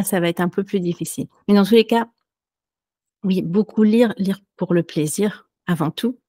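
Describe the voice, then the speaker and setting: Mellow-voiced French teacher, hesitant woman. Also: medium pitch, no echo, clean studio sound. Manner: hesitant, many fillers and restarts, light laughs. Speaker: French teacher and podcaster, guest. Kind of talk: casual interview answers.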